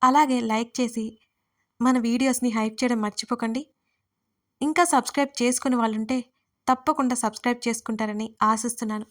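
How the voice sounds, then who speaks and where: A woman narrating a serialized audio story, reading in a steady, measured way and speaking directly to listeners at the end. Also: a little high.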